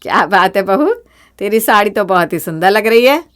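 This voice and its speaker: A woman's voice: mid-range voice, expressive, moderate pace, clear, resonant tone, natural voice. A woman voicing a bossy middle-aged mother-in-law in a cartoon story, scolding and giving orders. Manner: scolding, commanding.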